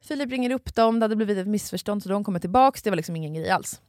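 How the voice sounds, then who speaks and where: A woman's voice: medium pitch, expressive, a little mellow, no echo, studio quality. A woman co-hosting a podcast, telling a long story in a casual chat and swearing freely. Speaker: podcast co-host.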